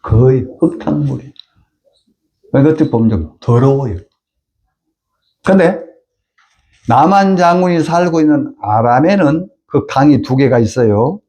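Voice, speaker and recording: A man preaching a sermon as pastor, animated and acting out the voices of characters in the story. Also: mid-range voice, a little slow, long pauses. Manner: animated, acts out characters' lines in a raised voice.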